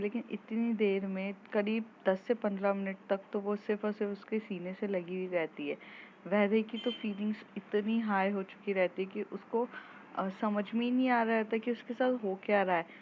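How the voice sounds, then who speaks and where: A woman's voice: mid-range voice, dull audio, slight background noise. Chatty woman telling a love story. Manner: rambling, with fillers, repeats and self-corrections. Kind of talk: casual spoken storytelling.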